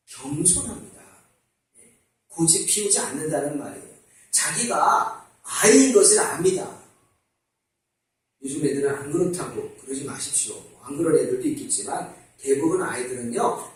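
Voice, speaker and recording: A middle-aged man preaching a sermon as pastor, talking in a lively, conversational way and asking the congregation questions. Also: fairly high pitch, normal speed. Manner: animated, conversational, asks the congregation rhetorical questions. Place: church sanctuary. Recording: very echoey church hall from far off.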